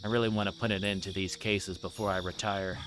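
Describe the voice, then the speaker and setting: A man's voice: sits low, flat delivery, fast, noisy background, natural voice. A man voicing a dogged older police detective near retirement in a visual novel. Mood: grim, determined.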